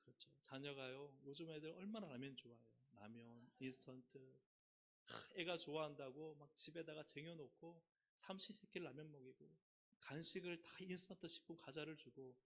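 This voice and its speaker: A man's voice: moderate pace, pushed and bright. A male pastor preaching a sermon in a church, asking the congregation questions and leading them in reading aloud. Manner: asks the congregation questions and leads responsive reading with sweeping pitch swings. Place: church sanctuary.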